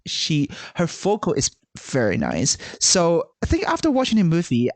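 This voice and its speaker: Animated man chatting on a podcast. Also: on the high side, moderate pace, dry recording. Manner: animated, many restarts. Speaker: podcast co-host. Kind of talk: casual chat.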